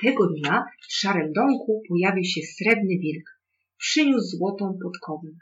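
Reading a children's tale with a measured pace, the calm storyteller keeps to a middling pitch. The recording has a faint underlying hum and comes across as a little dull and lo-fi.

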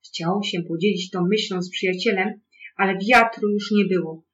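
Storyteller, calm storybook read-aloud, middling pitch, dull lo-fi sound, faint hum. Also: moderate pace.

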